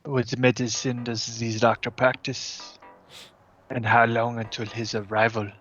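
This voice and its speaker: A man playing a tabletop game, speaking in character in a slow, cryptic, solemn way. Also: mid-range voice, flat delivery, a bit bright, muffled recording, soft background music. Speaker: player. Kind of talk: in-character role-play.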